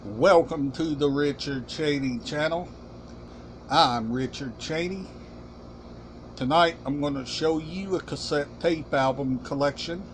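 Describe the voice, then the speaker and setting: A middle-aged man hosting a casual collection vlog, talking deliberately in short, halting, emphatic phrases. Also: on the high side, a little hiss or hum. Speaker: collection channel host. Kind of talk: casual show-and-tell vlog. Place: small room indoors.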